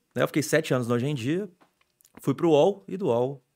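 A man with an unremarkable speaking voice, fairly high in pitch, with lively intonation. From Minas Gerais, Brazil. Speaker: sports journalist. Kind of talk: casual chat.

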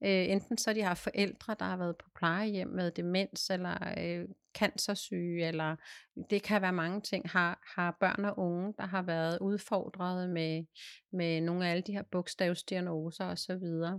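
Recorded with a dry, close sound and no echo, a woman of medium pitch speaks at a fairly slow pace with fairly even intonation. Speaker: podcast host and coach. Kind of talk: interview conversation. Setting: remote interview.

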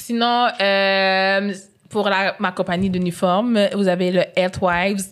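A woman speaks at a very slow pace, her medium pitch held in a monotone, flat intonation. Her loudness stays very even. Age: 20s. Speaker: nurse and uniform business founder. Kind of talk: casual chat.

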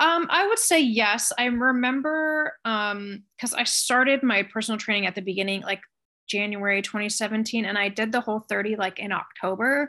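A plain, everyday voice from a woman, fairly high in pitch, with ordinary pitch variation and a moderate pace. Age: 30s. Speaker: health coach. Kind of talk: casual chat.

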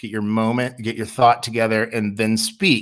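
Man with an American accent on a very clean recording with a silent background. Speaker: podcast co-host. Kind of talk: casual political chat. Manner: halting, filler-heavy.

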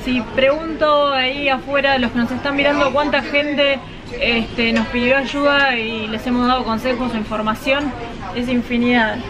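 A woman speaks at a high pitch and a moderate pace in a monotone, flat intonation. Crowd noise fills the background, and room echo is audible. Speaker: travel blogger. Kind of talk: casual chat. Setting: onboard cruise ship lounge.

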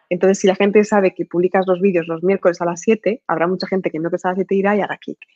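Very fast and monotone, a woman delivers flat intonation at a medium pitch. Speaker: youtuber. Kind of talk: interview. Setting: livestream. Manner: stutters when speaking off-topic.

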